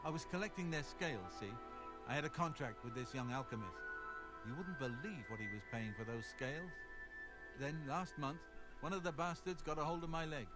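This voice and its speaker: Gruff, grumbling old fisherman for a fantasy game, played by a male actor, slightly high-pitched, weary and bitter, under loud music. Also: fairly quick, natural voice. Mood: aggrieved. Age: older. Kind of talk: scripted video game dialogue.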